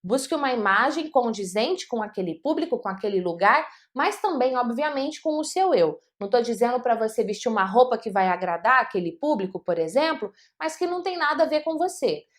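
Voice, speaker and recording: A woman's voice: fairly high pitch, lively intonation, brisk, hardly any pauses. A woman teaching public speaking tips, talking straight to the viewer with emphatic points and rhetorical questions. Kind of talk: motivational teaching talk.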